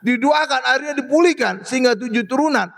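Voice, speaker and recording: A male pastor preaching a sermon in an animated way, exclaiming and often asking the congregation to agree. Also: very high voice, quick pace, gravelly.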